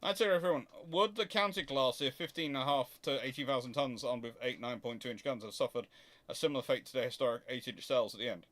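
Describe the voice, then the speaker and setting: A man's voice: medium pitch, fast, a bit bright. A man hosts an informal question-and-answer talk, giving opinionated answers and repeating points for emphasis. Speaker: host answering audience questions.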